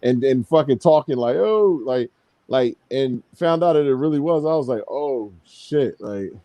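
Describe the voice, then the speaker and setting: A man's voice: mid-range voice, normal speed, dry recording. A man hosting a podcast, telling a story in casual, profane chat with frequent laughs over a video call stream. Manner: profane, animated, laughs often. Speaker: podcast host.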